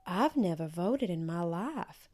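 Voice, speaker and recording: A woman's voice: on the low side, animated, takes it slowly, a little mellow. A woman voicing an encouraging, white-haired old lady in a storybook. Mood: wistful.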